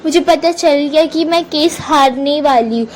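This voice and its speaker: A woman's voice: high-pitched, measured pace, a little hiss or hum, rough recording. A woman retelling a drama's episode as a storyteller, briefly quoting the characters and dropping English words into her talk. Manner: mixes English words into speech. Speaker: drama recap narrator.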